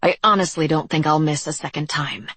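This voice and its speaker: A woman voicing a defiant young woman who speaks in a sharp, cutting, taunting way. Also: low voice, a little fast, husky, no echo.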